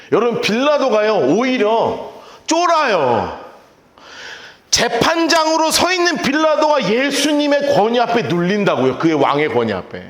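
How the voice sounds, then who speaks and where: A male pastor teaching a Bible-study sermon in a church, lively, asking his listeners questions and acting out scenes. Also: extremely high pitch, roomy sound. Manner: animated, asks the audience questions and acts out scenes.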